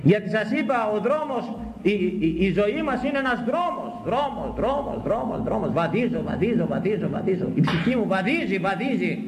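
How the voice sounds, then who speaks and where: A man preaching a sermon, repeating words for emphasis and swinging between high exclamations and low, grave phrases. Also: very animated. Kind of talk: sermon on a Bible passage. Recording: echoey hall, faint background noise.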